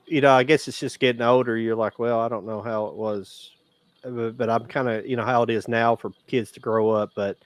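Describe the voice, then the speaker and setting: A man's voice: medium pitch, fairly even intonation, a little fast, no echo. A man in his forties chatting casually about movies on a podcast, rambling and restarting his sentences. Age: 40s. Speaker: podcast co-host.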